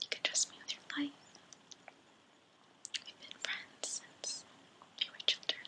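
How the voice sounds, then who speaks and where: Whispering in a gentle tone at a fairly slow pace, the voice swings widely in loudness and leaves long, frequent pauses. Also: woman. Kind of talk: ASMR roleplay. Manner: whispered, soft-spoken, gentle.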